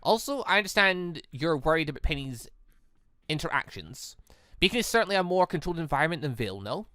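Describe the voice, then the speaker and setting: A game streamer voicing a calm, formal male headmaster in a visual novel, speaking deliberately. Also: medium pitch, no room sound, clean studio sound. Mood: measured, persuasive.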